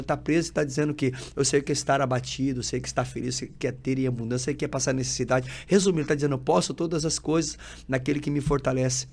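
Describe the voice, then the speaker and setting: A man's voice: mid-range voice, gravelly. A man, a pastor, telling his personal testimony as a podcast guest, acting out the dialogue of his story and quoting scripture like a preacher. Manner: lively storytelling, acting out dialogue, frequent filler tags; preacherly, quotes scripture with rising emphasis.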